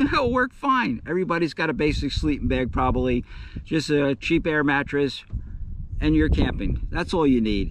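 Over light background noise, a man talks at a moderate pace with very even loudness, the sound dry with no echo. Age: 60s. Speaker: full-time overlander living in his vehicle. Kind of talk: casual talk to camera. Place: open country. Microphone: phone near.

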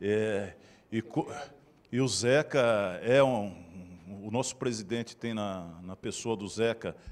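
Very slowly and with long, frequent pauses, a man talks in a fairly low pitch with ordinary pitch variation. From Brazil, São Paulo state (Bauru region). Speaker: sports and education institution official. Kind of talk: ceremony speech. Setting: city council chamber. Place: hall. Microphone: handheld.

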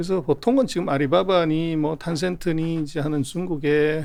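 Fairly high in pitch, a man with a plain, everyday voice talks at a moderate pace. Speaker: economist, China economy researcher. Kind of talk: interview, expert analysis.

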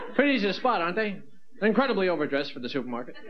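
Amid noticeable background noise, a man with a high pitch talks at a very fast pace with very wide pitch swings. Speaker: stand-up comedian. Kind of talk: stand-up comedy club set, observational bits with audience asides. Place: stage. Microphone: handheld.

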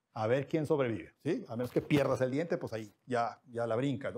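Male speech, moderately paced, its pitch varying in an ordinary way. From Yucatán, southeast Mexico. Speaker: dentist and archaeologist, lecturer; lecturer. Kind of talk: lecture. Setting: university lecture hall with audience. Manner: halting, many repeated fillers. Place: hall.

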